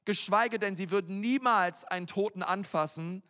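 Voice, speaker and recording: A man's voice: high voice, moderate pace, pushed and bright, in a large hall. A male pastor preaching a sermon in a casual, youthful way, with frequent fillers and slang. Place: church hall.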